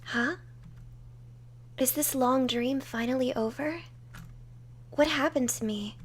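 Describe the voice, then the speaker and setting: A woman voicing an unbothered, newly awakened ancient fox spirit woman in a visual novel game, in a calm, musing way. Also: high-pitched, takes it slowly, a little hiss or hum. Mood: drowsy, musing.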